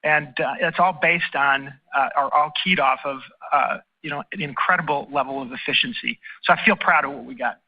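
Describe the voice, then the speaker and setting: A man speaking as an airline chief executive, answering analysts on an earnings call in halting phrases. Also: a little high. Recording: dull conference call audio.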